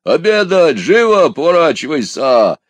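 A man's voice: fairly high pitch, sing-song, measured pace, slightly rough, no echo, pitched above the performer's own voice, heavily acted. A man voicing a bad-tempered peasant husband in a folk tale, barking and scolding. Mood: barking orders.

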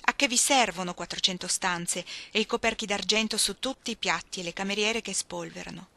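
A woman reading the lines of a raspy, scornful old gypsy man in a storybook reading. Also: mid-range voice, brisk, sharp tone.

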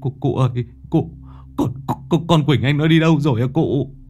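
A man's voice: on the high side, fast, faint music behind, voice pushed up, natural voice. Brief: distraught father, wails and stammers, a male narrator puts him on. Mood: stammering panic. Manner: wailing, stammering, panicked shouts. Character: grief-stricken young father, frantic and sobbing.

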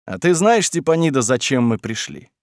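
A man's voice: medium pitch, sing-song, moderate pace, a little mellow, dry recording, clean studio sound. A man voicing an earnest middle-aged village foreman who speaks firmly and persuasively. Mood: persuading. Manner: firm and persuasive.

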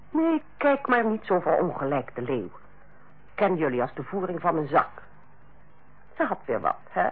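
An actress playing a stern, sarcastic head nurse who lectures and bites in a Dutch radio play. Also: female voice, fairly low pitch, breathy edge, full character voice. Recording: muffled old radio play recording.

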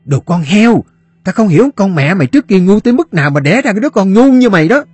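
A fat, abusive shopkeeper woman who screeches and wails at the top of her lungs, her voice jumping sharply up and down, played by a male storyteller. She scolds in a thin, hysterical shriek that sounds a little breathy. It sounds like a dry, close recording with soft music underneath. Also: very high voice, very animated, moderate pace, dry recording, voice pushed up, full character voice. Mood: hissing scorn.

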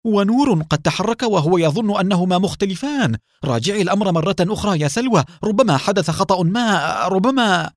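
A man voicing a young male teammate who reasons calmly and then shouts in alarm, in a storybook reading. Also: a little fast, no echo, studio quality. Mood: alarmed shouting. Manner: high and loud when frightened.

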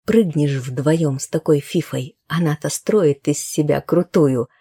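A woman's voice: low-pitched, unhurried, dark tone, husky. A woman narrating a story as an audiobook, in a wry, conversational way with colloquial turns.

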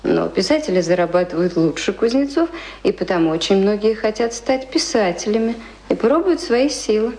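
An actress in a radio play playing a refined, educated young lady who reasons and gently corrects. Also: medium pitch, animated, moderate pace, natural voice. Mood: reasoning, instructive. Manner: genteel, reasoning, mildly reproving.

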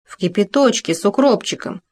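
A woman's voice: mid-range voice, moderate pace, natural voice. A woman voicing a fussy, boastful young male hamster who wails and grumbles indignantly. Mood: whiny. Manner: wailing, indignant outbursts.

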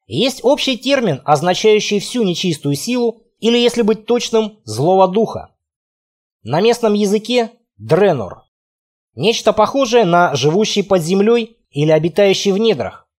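A man's voice: sits high, sing-song, normal speed. A man narrating a first-person fantasy audiobook in a wry, conversational way.

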